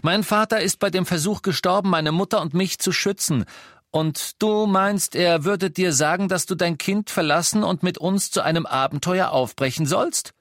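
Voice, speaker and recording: A man's voice: mid-range voice, lively intonation, normal speed, no room sound, studio quality, pitched above the performer's own voice, natural voice. A man reading the part of a young wizard who lashes out in angry, accusing outbursts. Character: young male wizard, furious and defiant. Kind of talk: audiobook character voice.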